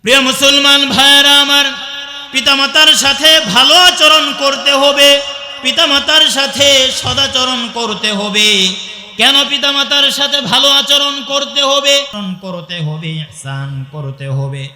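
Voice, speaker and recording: A man with a Bangladeshi Bengali accent preaching a waz sermon, chanting Arabic verses in a slow singsong and calling out questions to the crowd. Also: very high-pitched, pushed and bright. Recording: echoey hall with long reverb.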